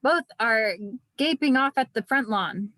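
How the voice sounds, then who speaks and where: A woman with a high voice reads screenplay directions aloud. The sound is dry, with little room around it. It is scripted narration for a table read. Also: expressive, unhurried, bright, forceful tone, no room sound.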